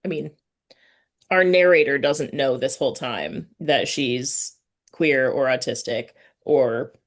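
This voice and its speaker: A woman's voice: a bass voice, slow. A woman interviewer chatting casually and informally as she puts questions to her guest. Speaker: interviewer, host.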